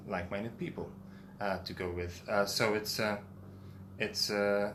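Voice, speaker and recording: A man with a non-native accent and fairly even intonation, with audible room echo. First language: not English. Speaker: English teacher, director of studies. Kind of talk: casual discussion. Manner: halting, repeats words.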